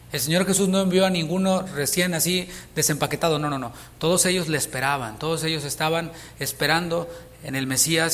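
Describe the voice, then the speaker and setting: A man's voice: a little high, fairly bright tone, big-room sound. A Mexican man preaching a sermon as pastor, speaking conversationally and asking his listeners questions. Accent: Mexican Spanish. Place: church sanctuary.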